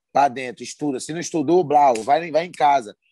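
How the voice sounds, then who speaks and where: With ordinary pitch variation, a man talks in a dry, close sound with no echo. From Salvador, Bahia, Brazil. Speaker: comedian. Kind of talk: casual chat.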